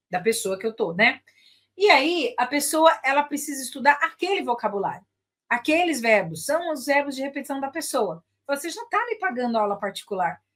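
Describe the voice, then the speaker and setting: A woman's voice: a little high, a bit bright. A woman with a Brazilian Portuguese accent, an English teacher chatting casually with viewers, full of tag questions and switching into English phrases.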